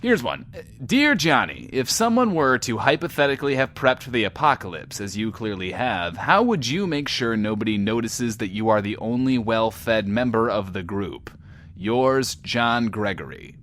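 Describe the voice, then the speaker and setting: A man's voice: medium pitch, big pitch swings, moderate pace, fairly bright tone, a little hiss or hum. A man playing a pompous, chatty post-apocalyptic radio host with a theatrical, self-important manner. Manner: theatrical, self-important, refers to himself in third person. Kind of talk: in-world radio show acting.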